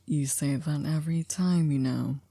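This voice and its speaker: A woman playing a stern, dry chief maid in an ASMR roleplay, speaking in a formal, measured, reproachful way. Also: deep voice, vocal fry, warm tone, no echo. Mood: polite reproach.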